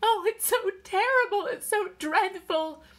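A woman voicing an anxious, distraught wife in a story, shrill and wailing as she pleads. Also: very animated, brisk, gravelly, fairly bright tone, husky, full character voice. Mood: sobbing, distressed.

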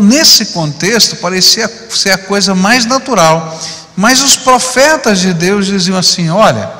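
The audio carries long hall reverb as a middle-aged man preaches on a large church stage, handheld mic in hand. He sermonizes conversationally, frequently adding tag questions, in a high-sitting, bright, forceful voice.

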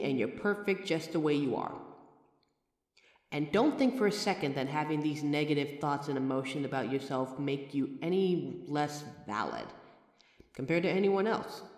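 Brief: woman as a talkative, kind mirror-reflection girl, lively pitch, echoey reverberant room. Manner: chatty, warm-hearted reassurance, self-aware rambling. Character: chatty friendly female mirror reflection, reassuring. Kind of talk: comfort roleplay audio. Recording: roomy echoey recording with long reverb.

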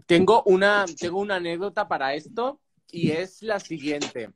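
A man's voice: high-pitched, normal speed, crowd noise. Young man from Málaga telling stories. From Málaga, southern Spain. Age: young adult. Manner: expressive storyteller, animated. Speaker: guest. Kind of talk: casual video chat, telling anecdotes. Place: indoor room at home. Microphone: phone at arm's length on a video call.

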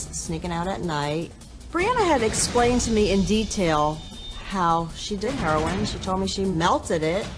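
Weary middle-aged woman telling her story. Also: medium pitch. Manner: weary, matter-of-fact recounting. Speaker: guest, mother. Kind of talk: taped personal testimony. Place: indoor room, seated.

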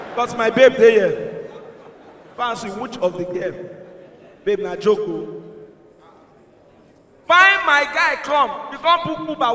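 A young man with a Nigerian accent performing an animated stand-up set on a handheld mic, shouting punchlines in Pidgin. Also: very high voice, slight background noise. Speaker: stand-up comedian. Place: large concert hall stage. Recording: echoey hall, crowd faintly behind.

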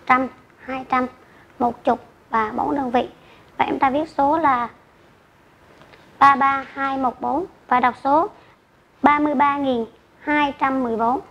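A woman teacher giving an online math lesson to children, speaking slowly and carefully and reading out numbers digit by digit. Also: high-pitched, steady tone. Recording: dull lo-fi recording with faint noise.

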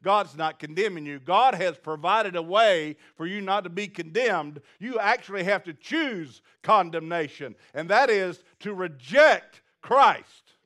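A middle-aged pastor preaches to a small seated congregation from a little church stage, pacing and gesturing widely. His high-pitched voice is animated and a bit bright, at a measured pace with hardly any pauses, rising in intensity toward emphatic repeated lines.

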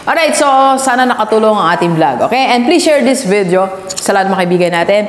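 A woman's voice: medium pitch, expressive, fast, reverberant, long reverb tail. A woman with a Filipino accent, a business coach giving a motivational vlog talk and challenging the listener with repeated rhetorical questions. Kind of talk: motivational vlog talk in mixed Tagalog and English.

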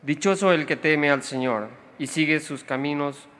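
A young man recites the psalm at an outdoor Mass in a clear, even way. His tone is bright and pressing, pitched a bit high. A long reverb from the sound system follows his words. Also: moderate pace. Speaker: psalm reader. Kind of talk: reading a responsorial psalm. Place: outdoor tented stage. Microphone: stand microphone. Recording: reverberant public address sound.

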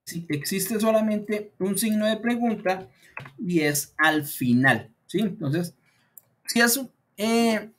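While tweaking his slides during an online class for beginners, a man teaching English thinks out loud, peppering his speech with "pues" and "entonces." His voice sits high with a fairly bright tone, and he drags example sentences out slowly to show their intonation.

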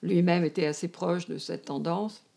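This is a fairly low, gravelly, husky yet mellow female voice, kept at a normal speed with fairly even intonation. The speaker is a Parisian woman from France, seventies or older and an emeritus professor of anthropology. Seated in a room at home, she reflects haltingly on her academic life during a filmed interview.

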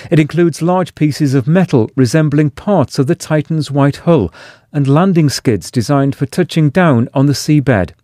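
Male reporter filing a steady sober report, mellow, dry sound. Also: fairly high pitch, dry recording. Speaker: correspondent. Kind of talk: news report.

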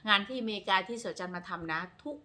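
Chatty woman vlogging, bright voice. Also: medium pitch, fast. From Northeast Thailand. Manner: chatty, rambling, refers to herself by name. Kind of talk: casual chat to camera. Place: home in Texas.

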